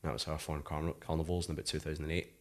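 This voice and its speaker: A man's voice: very deep voice, level tone, very fast. A Scottish man in his thirties, a musician guest talking casually in an interview, rambling with lots of "like" fillers. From Scotland.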